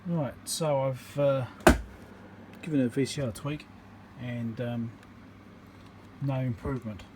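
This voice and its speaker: A man with a mid-range voice demonstrates an electronics repair at an indoor workbench, thinking aloud informally and haltingly, step by step. The recording carries a steady hum and room noise.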